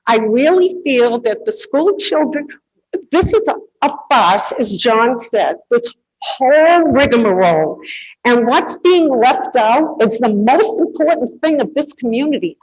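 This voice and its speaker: A middle-aged woman from Medford gives public comment at a city council meeting. She has a big, fairly high voice and grows louder and more impassioned as she talks. The sound carries a long reverberation from the council chamber. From Medford, Massachusetts. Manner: loud, impassioned, rising to shouting. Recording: reverberant hall, distant mic.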